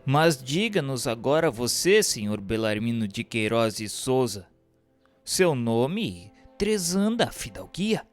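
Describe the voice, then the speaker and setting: A man's voice: mid-range voice, sing-song, slow. An actor playing a sardonic dead man who recounts his afterlife in theatrical, literary radio novel style. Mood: mocking. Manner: theatrical, mocking, literary diction. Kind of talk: dramatized first-person radio novel narration. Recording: long hall reverb, music underneath.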